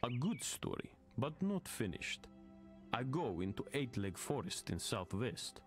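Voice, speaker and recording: Boastful tribal storyteller, broken English, lively swooping pitch, slow delivery, game dialogue over music. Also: male voice. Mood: proud storytelling. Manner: broken English, simple short declarations. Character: boastful tribal spear hunter and storyteller man. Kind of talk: video game character dialogue.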